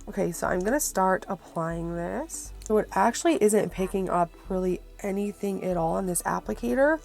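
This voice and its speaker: A woman's voice: mid-range voice, creaky, darkish tone. Woman with a sick, fading voice, vlogging casually. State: sick, losing her voice. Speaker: beauty vlogger. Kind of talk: casual product review chat to viewers.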